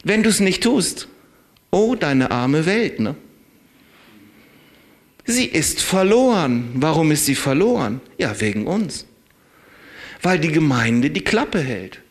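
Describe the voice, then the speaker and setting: Male preacher, high voice, unhurried sermon delivery, drawn-out key words, chuckles at his own points. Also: big pitch swings. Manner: conversational and emphatic, laughing at his own points; stretches key words slowly and drops to quiet asides.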